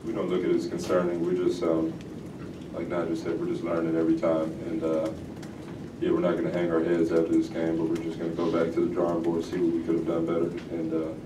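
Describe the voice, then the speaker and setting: A young man, a college basketball player at a post-game press conference, speaking in a calm, matter-of-fact way. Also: low-pitched, quick pace. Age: young adult. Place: indoor press room. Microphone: table microphone. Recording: roomy, distant, noisy press room.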